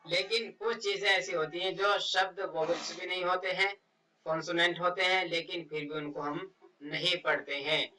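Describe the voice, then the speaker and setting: A man teaching how to read the Quran, spelling out Arabic letters and words one slow syllable at a time. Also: high-pitched, fairly even intonation, bright, forceful tone, recorded from a distance, rough recording. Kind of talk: step-by-step recitation lesson.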